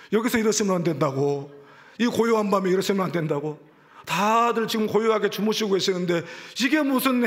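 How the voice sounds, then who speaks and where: A man preaching a sermon in a church, telling a personal story with passion, rising loud and then dropping to hushed whispers. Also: high voice. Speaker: pastor. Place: church sanctuary.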